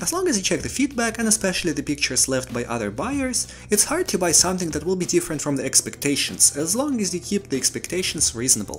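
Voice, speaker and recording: Delivered at a very fast pace in a non-native accent, the speech sits over music in the background. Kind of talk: product review narration. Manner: dry, humorous.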